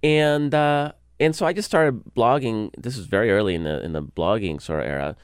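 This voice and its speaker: A man's voice: mid-range voice, a little fast, clean tone, no echo, clean studio sound. A man from El Salvador, a guest and political blogger, talking earnestly in a casual political discussion, often restarting and repeating words.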